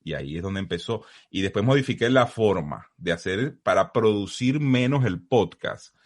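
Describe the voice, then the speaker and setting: Deep-voiced Zulian Venezuelan man. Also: expressive, moderate pace. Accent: Zulian Venezuelan Spanish. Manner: earnest, storytelling, uses vos forms. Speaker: podcast guest. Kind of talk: casual interview conversation. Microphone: video call.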